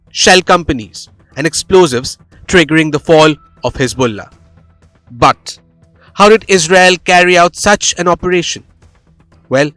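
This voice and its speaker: A man with a fairly high-pitched voice narrates a scripted news explainer. He tells it like a dramatic story. The recording is dry and close, with music playing behind him. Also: a bit bright, no echo. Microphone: close studio voice-over microphone.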